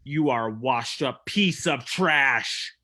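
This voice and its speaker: Casting: male actor as tough, defiant wrestling prince, forceful mid-range voice, unhurried promo taunts. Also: mid-range voice. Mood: taunting.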